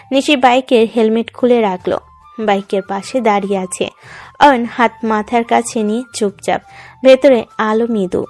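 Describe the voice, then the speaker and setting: A woman's voice: mid-range voice, a little mellow. Woman narrating a dramatic romance story.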